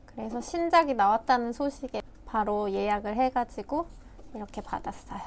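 Soft-spoken woman vlogging at home. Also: on the high side, expressive, normal speed, a little hiss or hum. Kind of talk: casual vlog narration. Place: home indoors.

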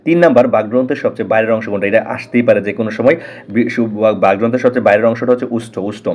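Fast-talking Bangladeshi Bengali teacher, man. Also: fairly low pitch, a little mellow. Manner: repeats answers and stresses importance, addresses students directly. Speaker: exam-prep teacher. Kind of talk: online exam-prep lesson.

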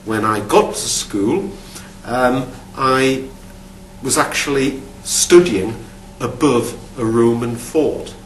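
A man's voice: mid-range voice, takes it slowly. A man in his fifties from Newcastle with a Geordie accent, an archaeology professor answering interview questions to camera in a thoughtful way, often restarting and repeating words. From Newcastle upon Tyne, England. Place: studio with dark backdrop. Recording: roomy, distant mic, faint hum.

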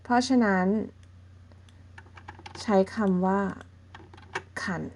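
A woman teaching a beginner language lesson, explaining patiently step by step and often checking in with her listeners. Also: mid-range voice. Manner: patient, explains slowly and checks in with softening particles.

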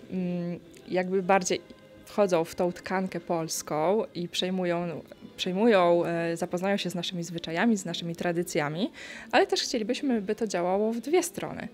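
A young woman with a slightly low voice answers an interview, explaining fluently. She speaks into a handheld mic in an indoor room. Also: a little mellow. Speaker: event organizer.

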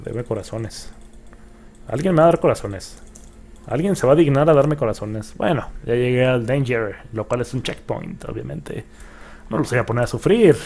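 A young man talks through a hard video game in a gravelly, creaky voice. He jumps between muttering to himself and sudden yelps and curses whenever the game goes wrong. His pitch sits right in the middle for a man. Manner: excitable, swears and yelps at the game. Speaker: gaming YouTuber. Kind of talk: let's play commentary.

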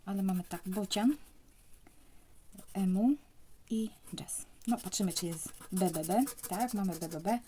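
Young woman, hushed casual commentary, mellow dark tone. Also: medium pitch, measured pace, pauses often, slight background noise. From Poland. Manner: speaks softly, often near a whisper. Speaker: vlogger scratching lottery tickets.

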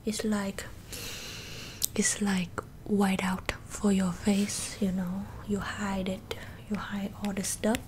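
A woman's voice: mid-range voice, natural voice. A young woman in a whispered role-play, voicing a blunt, boastful makeup doctor with a put-on Asian accent and broken English. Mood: blunt, scolding. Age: young adult. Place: small bedroom indoors. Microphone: close desktop microphone with foam cover.

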